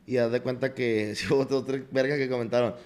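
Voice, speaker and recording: A man chats easily as a podcast guest. His voice sits at a middle pitch, and he tells his stories in a relaxed, slangy way. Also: a little fast. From Mexicali, Mexico. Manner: slangy, laid-back storytelling. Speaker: guest singer. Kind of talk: casual podcast chat.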